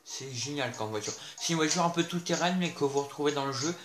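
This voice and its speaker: A man's voice: a little high, fast talker. A man casually showing off vehicles in a video game, chatty, with frequent fillers and asides to viewers. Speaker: gameplay video host. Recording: roomy sound with loud game music.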